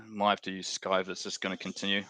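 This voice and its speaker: A man's voice: low voice, completely flat delivery, fast talker, bright, forceful tone, no echo. A man from Malaysia hosting a live watchalong stream, chatting in a rambling, self-correcting way. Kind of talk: casual watchalong chat.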